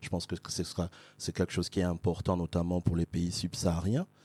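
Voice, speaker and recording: A man speaks in a very deep, low voice with a dark, mellow tone. His pace is fairly quick, and the sound is dry and close with no echo. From Gabon. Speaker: podcast guest on decolonialism. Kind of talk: casual discussion.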